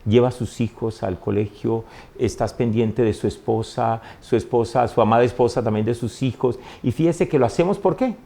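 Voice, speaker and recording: A man, a priest and invited guest, telling personal stories in an animated, conversational way, often laughing and acting out his mother's words. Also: mid-range voice, moderate pace, gravelly. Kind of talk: conversational storytelling.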